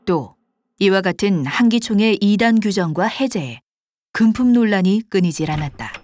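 A woman reading scripted documentary narration in a formal, measured manner. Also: medium pitch, expressive, darkish tone, dry recording, studio quality, close to an everyday voice.

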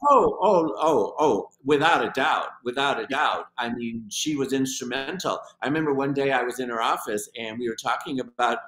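A man's voice: mid-range voice, normal speed, few pauses, a bit bright, reverberant, low-quality recording. A man in his sixties from Argentina, answering interview questions thoughtfully with many hesitations over a webcam call. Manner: reflective, hesitant with many fillers. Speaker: guest, film teacher. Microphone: webcam on video call.

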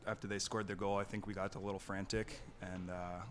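A man's voice: deep voice, level tone, a little fast, a bit bright, slight background noise. A man in his early twenties, a college soccer player, giving a hesitant answer at a post-match press conference. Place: indoor press conference room, seated at table.

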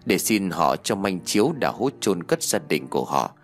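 A man voicing a frail, weary old village elder recounting a dark village legend. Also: sits low, sing-song, moderate pace. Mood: solemn.

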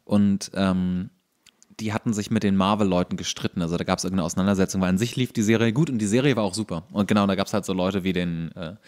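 Low-pitched man chatting casually. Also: steady tone, quick pace, a little mellow. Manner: explains trivia at length, in detail. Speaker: podcast co-host. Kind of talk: casual chat.

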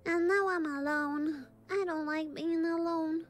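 Brief: a small, lonely game girl, very high and childlike, speaking slowly and innocently while she rambles. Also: steady tone. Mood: wistful. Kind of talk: video game voice acting.

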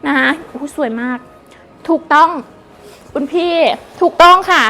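A woman selling on a live stream with fast, excitable hype, gushing and repeating prices while chatting to customers. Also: high voice, soft background music. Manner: chatty, addresses viewers with polite endearments. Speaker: live-stream seller of wholesale second-hand clothing.

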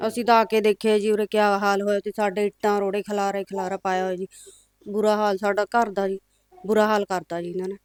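A woman's voice: medium pitch, little pitch movement, fast talker, clear, resonant tone, dry recording. A woman answering a reporter's questions about her family, plain and polite. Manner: plain, polite, frequent respectful particles. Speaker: interviewee, younger sister-in-law. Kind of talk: news interview testimony.

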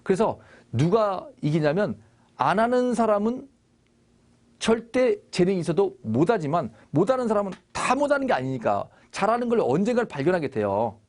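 A man's voice: sits high, big pitch swings, moderate pace. A male English teacher giving a Bible-based grammar lesson, asking the class questions and answering them himself.

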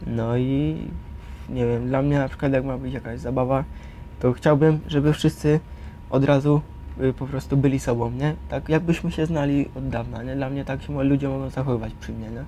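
A young man recalling his experiences casually and haltingly, in slangy speech peppered with tag questions. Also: mid-range voice. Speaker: resident of a youth correctional centre. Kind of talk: casual personal recollection. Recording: some steady background noise.

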